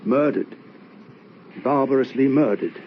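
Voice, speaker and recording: A man's voice: mid-range voice, measured pace, natural voice. A man voicing a shaken older father who stammers through each line, a little off-mic. The sound is dull with a faint hiss, like an old radio recording. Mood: shaken grief. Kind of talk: 1940s radio acting.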